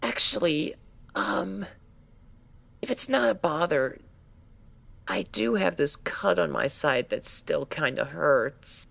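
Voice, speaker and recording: A woman's voice: on the low side, animated, slow, gravelly, long pauses, fairly bright tone, full character voice. A woman voicing a timid, injured young female pony in a dramatized story reading, hesitant and meek, with anxious pleading. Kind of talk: dramatized fan fiction reading.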